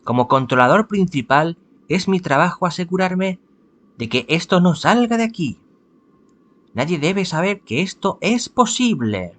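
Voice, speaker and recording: A man voicing a composed female leader in a game, reading her orders in a measured, commanding way. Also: high-pitched, big pitch swings, fairly bright tone, voice pushed up, exaggerated voice.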